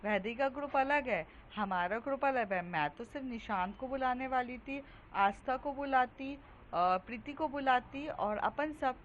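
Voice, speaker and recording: Woman doing a snappy bossy schoolgirl, sharp and loud, dull recording w/ a bit of hiss. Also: a little high, takes it slowly. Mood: irritated. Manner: sharp, raised voice when annoyed. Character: bossy possessive schoolgirl, quick to anger.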